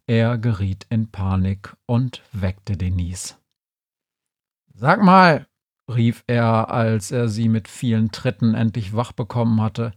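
A man reading a humorous story aloud with a lively, dry-humored delivery. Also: on the low side, unhurried, hardly any pauses, dry recording.

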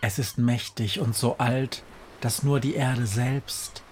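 A man reading a fairy tale aloud in a measured, solemn way that slows down for dramatic moments. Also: medium pitch, fairly even intonation, slight background noise. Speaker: narrator. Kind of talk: scripted storybook narration.

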